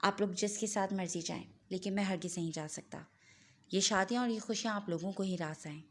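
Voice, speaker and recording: A woman's voice: medium pitch, fairly quick, natural voice. A woman doing a bitter, curt young man. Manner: curt and dismissive. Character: bitter young man refusing family joy.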